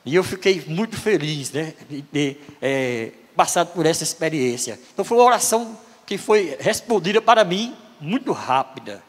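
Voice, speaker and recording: Man, preacher, high voice, long church reverb. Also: expressive, normal speed, few pauses. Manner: storytelling, hesitant restarts. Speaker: presbyter preaching. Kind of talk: sermon testimony. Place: church hall.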